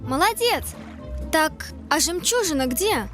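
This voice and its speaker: A woman's voice: high voice, very animated, a little slow, a bit bright, heavily acted. A woman voicing a brave, earnest young girl heroine in a cartoon fairy tale, with emotional exclamatory delivery. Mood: curious, concerned. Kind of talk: animated fairy-tale adventure acting. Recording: faint music behind the voice.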